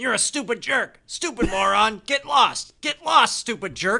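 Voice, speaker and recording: A growling, put-on character voice, fairly high in pitch, at a moderate pace. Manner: growling, insulting.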